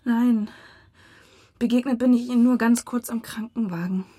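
A woman's voice: fairly high pitch, fairly even intonation, moderate pace, mellow, natural voice. An actress playing a distraught but defiant young woman in a German radio crime drama. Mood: subdued. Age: young adult.

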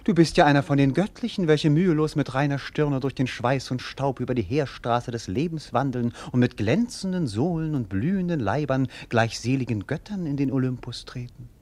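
An actor playing a dreamy, ironic young prince in a German radio play, speaking in a lofty, rhetorical way. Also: male voice, medium pitch, lively intonation, normal speed, hardly any pauses, darkish tone, natural voice. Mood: exalted.

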